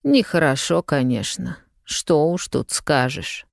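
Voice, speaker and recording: A gentle, elderly great-grandmother speaking calmly and soothingly at a slow pace, as a woman narrator puts her on. Her voice sits a little low, in a close and dry recording. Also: vocal fry, no echo, heavily acted. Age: older. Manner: calm, soothing.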